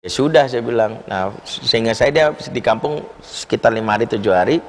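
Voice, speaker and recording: A male preacher with a mid-pitched voice, lively and storytelling, slipping into little voices for the people in his tales. His tinged speech rings out with a long reverb from a large mosque hall. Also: brisk. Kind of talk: sermon with told stories.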